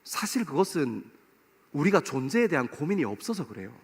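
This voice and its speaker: A pastor in his forties preaching to a young adults service in a church, playful and lively, acting out little scenes. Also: a little high, brisk, slightly rough. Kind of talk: sermon. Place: church sanctuary. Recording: long hall reverb.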